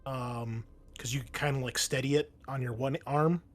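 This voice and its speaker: Male game master, casual, explanatory, mid-pitched voice, faint music underneath. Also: steady tone, moderate pace. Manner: explanatory, conversational. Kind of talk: casual tabletop game refereeing.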